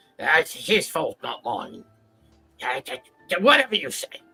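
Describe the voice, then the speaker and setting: A put-on character voice, gruff and guttural with a fairly high pitch, moves at a fairly slow pace over faint music in the background. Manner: curt, dismissive.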